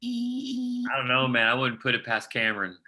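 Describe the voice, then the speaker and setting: A man's voice: medium pitch, sing-song, normal speed, pushed and bright. A man chiming in informally with casual banter during a group discussion.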